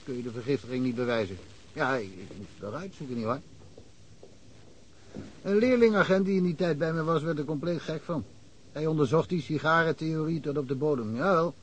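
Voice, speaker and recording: An actor playing a talkative middle-aged provincial police detective in a radio drama, telling wry stories and chuckling often. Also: male voice, fairly high pitch, brisk, a little hiss or hum, natural voice, low-quality recording. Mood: amused, chatty.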